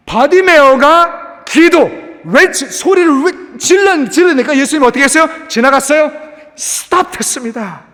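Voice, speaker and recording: A man preaching with a very high, bright voice that swoops up and down with lively energy. He is a pastor in the middle of a sermon, often slipping English words into his preaching. His voice rings with a long echo in a church sanctuary. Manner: animated preaching, mixing English words into the talk.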